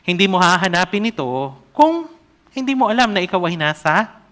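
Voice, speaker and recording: A man preaching a sermon as an evangelist, often asking the congregation questions and reading scripture aloud slowly. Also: high voice, very animated, a bit bright.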